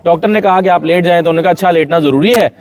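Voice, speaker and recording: A man's voice: on the high side, very fast. A man with a Pakistani accent giving conversational political analysis as a journalist, repeating phrases for emphasis.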